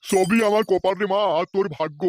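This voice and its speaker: A man's voice: high voice, a little fast, no room sound, lightly acted. A man voicing a stingy, scheming old father-in-law in a cartoon who whines and wheedles. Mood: wheedling. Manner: wheedling, self-pitying. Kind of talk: cartoon voice acting.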